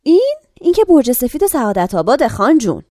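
An actress playing a brisk, matter-of-fact care-home attendant who gives an old woman instructions. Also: sits high, big pitch swings, dark tone, dry recording, clean studio sound. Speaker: caregiver.

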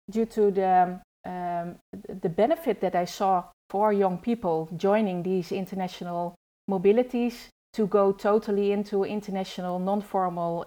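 A woman in her forties, a youth trainer speaking as a podcast guest, pausing often to find her words. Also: medium pitch, warm tone. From Netherlands. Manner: hesitant, searching for words. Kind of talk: podcast conversation.

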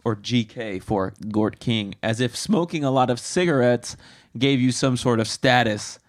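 A man's voice: mid-range voice, measured pace. A man co-hosting a casual podcast chat, teasingly quizzing his co-host on slang.

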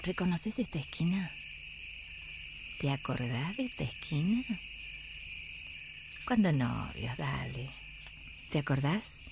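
Radio drama role: Argentine wife and local activist, fiery, emphatic, lowish voice with wide swings. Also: female voice, expressive, slow, gravelly, pauses often, noisy background, heavily acted. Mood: tender, nostalgic. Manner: emphatic, reproachful, with rhetorical questions. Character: weary, fiery wife and neighbourhood water activist. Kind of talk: Spanish-language radio drama acting.

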